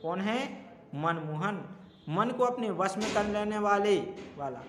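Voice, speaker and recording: A man teaching Hindi grammar for exam preparation, explaining examples slowly and repeating key phrases. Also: sits high, expressive, noisy background. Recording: echoey room with long reverb.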